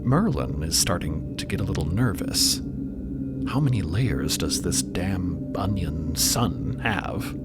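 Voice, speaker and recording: Male fiction narrator, lowish and expressive, over a prominent musical score. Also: takes it slowly. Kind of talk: scripted dramatic narration. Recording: loud music under the voice. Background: loud music.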